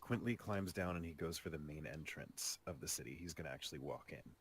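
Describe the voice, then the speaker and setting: A man with a low voice plays a tabletop role-playing game. He casually lays out what his character does, talking in the third person. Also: brisk, slightly rough.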